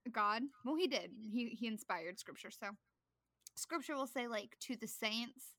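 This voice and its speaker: A woman's voice: fairly high pitch, animated, measured pace, fairly bright tone, no room sound, studio quality. A woman co-hosting a Bible study podcast, chatting casually and laughing easily. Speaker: podcast co-host.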